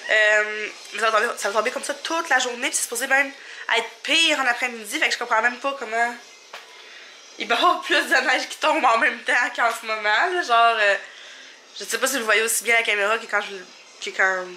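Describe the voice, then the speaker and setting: Bright, chatty Québécois woman vlogging at home. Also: a little high, a little fast, a little hiss or hum. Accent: Québécois French. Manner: chatty, rambling, many fillers and little laughs. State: sniffly, stuffy nose. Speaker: family vlogger. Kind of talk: casual home vlog chat. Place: home kitchen, indoors.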